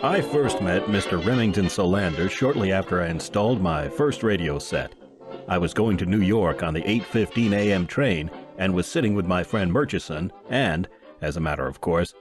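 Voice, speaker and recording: A man narrating a humorous short story from a script in an expressive storytelling manner. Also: deep voice. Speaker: audiobook narrator and reader.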